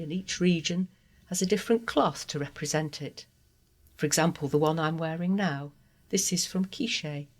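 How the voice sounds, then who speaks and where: A trans woman from Guatemala, a native Spanish speaker, telling her life story in an interview with an earnest, heartfelt, measured manner. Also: low-pitched. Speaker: interview guest. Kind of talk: personal testimony interview.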